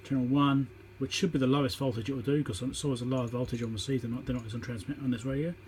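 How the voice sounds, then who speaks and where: Man, mid-pitched voice, informal repair demonstration, matter-of-fact, talks through each step, phone recording with noticeable background noise. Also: fairly even intonation, quick pace, darkish tone. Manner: matter-of-fact, thinking aloud while working. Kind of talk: informal hands-on tutorial commentary. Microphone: phone on a tripod.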